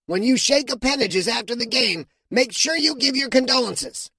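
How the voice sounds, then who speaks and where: Gravelly shouting alien coach. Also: male voice, very high voice, lively intonation, normal speed, pitched above the performer's own voice, heavily acted. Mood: stern. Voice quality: gravelly, raspy. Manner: barks orders, shouts in anger. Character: gruff alien football coach, harsh and barking.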